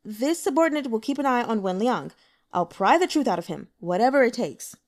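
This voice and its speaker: A woman's voice: a little high, very animated, a little fast. A woman voicing an earnest, deferential male official subordinate who reports formally to his lord. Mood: determined.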